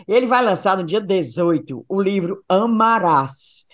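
A woman co-hosting a podcast, chatting playfully with animated asides. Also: medium pitch, unhurried. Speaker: podcast co-host. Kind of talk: casual podcast chat.

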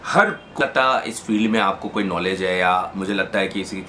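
A man's voice: sits low, normal speed, bright, forceful tone, slight background noise. A man who teaches mobile phone repair, giving an emphatic, repetitive, colloquial promotional talk to camera, mixing in English words.

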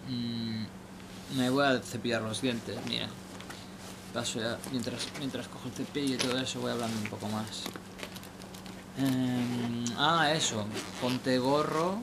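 In a noisy outdoor recording made at night under a station shelter, a young man vlogs casual advice. His medium-pitched voice is creaky with fairly even intonation and a measured pace, and he rambles, hesitates, and restarts a lot.

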